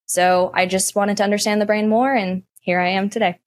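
A woman's voice: medium pitch, fairly even intonation, a little fast. A young woman in her twenties, an audiology student from Kansas City, answering interview questions earnestly.

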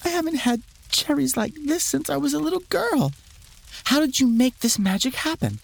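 Gracious, merry storybook queen played by a man: high voice, swooping melody. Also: big pitch swings, normal speed, gravelly, full character voice. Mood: delighted. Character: gracious, tearful-hearted queen, grateful and merry.

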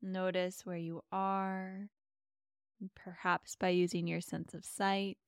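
A woman hosting a meditation podcast guides a mindfulness practice in a slightly low, smooth voice with little pitch movement. She speaks softly, gently and slowly, leaving long pauses between soothing instructions. The dry recording sounds clean, close and clear.

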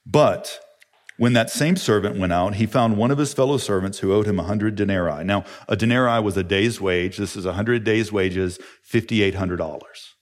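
A man's voice: on the low side, moderate pace. A man, a pastor, preaching an earnest and emphatic sermon with rhetorical questions.

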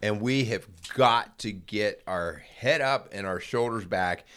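A man's voice: lowish voice, a little slow, a bit bright, clear, resonant tone. Upbeat, teasing man co-hosting radio. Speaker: radio show co-host. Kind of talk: casual radio chat.

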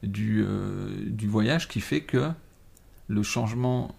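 A man interviewing in a casual chat, hesitant and halting as he searches for his words. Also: lowish voice, vocal fry, darkish tone, slightly rough.

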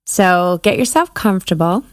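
A woman leading a guided breathing meditation as a podcast host and coach, giving measured, soothing instructions with pauses. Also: on the low side, expressive, no echo, studio quality.

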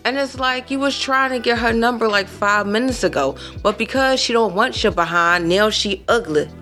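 A woman in her thirties hosting a podcast, telling a personal story in a casual, animated way with emphatic asides to her listeners. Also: a little high, moderate pace, faint music behind. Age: 30s. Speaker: podcast host.

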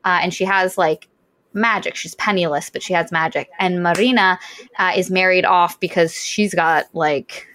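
A woman in a casual book club chat, retelling a novel's plot with animated asides and quick acted-out lines. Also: fairly low pitch, no room sound. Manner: animated storytelling, acts out characters' lines.

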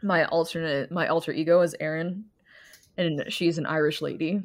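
A woman's voice: low voice, fairly even intonation, moderate pace. Giggly woman telling a story. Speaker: podcast co-host. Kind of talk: casual chat.

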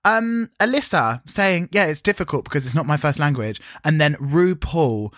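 A man with a fairly high, very lively voice, his pitch swooping up and down as he dishes out opinions. He talks in a chatty, catty way full of "like" and "um". The sound is close and completely dry. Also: normal speed, no echo. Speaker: podcast co-host. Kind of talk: casual chat reviewing a TV show.

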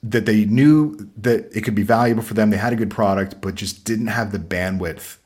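A man's voice: on the low side, normal speed, breathy edge. A man being interviewed as a guest on a podcast, talking casually and bluntly, with frequent laughs. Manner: energetic and blunt, laughs easily. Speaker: podcast guest, marketing consultancy founder.

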